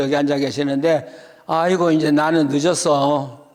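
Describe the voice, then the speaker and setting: Amid noticeable background noise and audible room echo, a man speaks at a fairly high pitch. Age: 80s+. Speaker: pastor. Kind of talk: sermon. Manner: animated. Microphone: no microphone.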